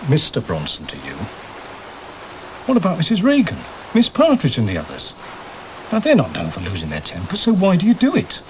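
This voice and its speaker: An actor playing an exasperated but reasoning senior teacher in a British television drama, with wry, patient reproach. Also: male voice, on the high side, huge pitch swings, a little fast, a little hiss or hum, low-quality recording. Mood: firm reasoning. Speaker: actor in a school drama series.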